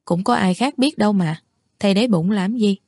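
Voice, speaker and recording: A woman voicing a playful, pushy young man who coaxes and gently mocks in a storybook reading. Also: mid-range voice, normal speed, dry recording, studio quality, lightly acted. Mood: teasing. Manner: coaxing, lightly mocking.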